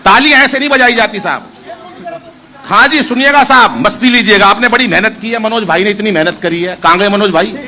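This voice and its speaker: A man's voice: sits high, fairly quick, sharp tone. A man telling comic stories live to an audience at a poetry gathering, addressing the crowd directly and coaxing them to clap. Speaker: stand-up poet at a poetry gathering. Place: live event venue with an audience.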